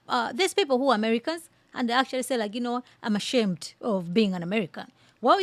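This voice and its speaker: A woman's voice: fairly high pitch, no room sound. A woman from Malawi hosting a casual reaction commentary, speaking emphatically and repeating phrases to drive her points home. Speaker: podcast host giving commentary.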